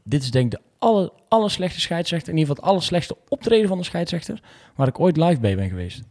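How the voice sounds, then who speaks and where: A man's voice: a little high, very animated, fast, darkish tone. Opinionated man hosting a football chat. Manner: indignant, opinionated about refereeing. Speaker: podcast host. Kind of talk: casual football podcast chat.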